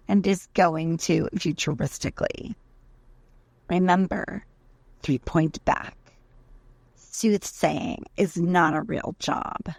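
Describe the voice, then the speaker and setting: Slow, creaky-voiced woman reading dramatically. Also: on the low side, no echo. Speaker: narrator reading a letter aloud.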